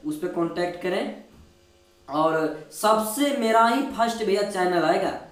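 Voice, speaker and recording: A man's voice: high voice, lively intonation, unhurried. A man who plays keyboard, talking casually to viewers between demos and checking in with them again and again. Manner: chatty, repeatedly checks in with listeners. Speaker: keyboard player and music teacher. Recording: echoey room, distant mic, keyboard music behind. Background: keyboard music.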